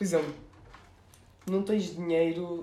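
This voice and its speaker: Audible room echo surrounds a man with a European Portuguese accent whose high pitch, dark, mellow tone and ordinary pitch variation carry his speech. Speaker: podcast co-host. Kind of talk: casual chat.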